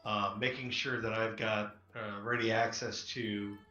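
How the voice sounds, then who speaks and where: Male game player, hesitant and casual, lowish voice, dull roomy recording. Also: little pitch movement, measured pace, sharp tone. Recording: dull, roomy, music behind.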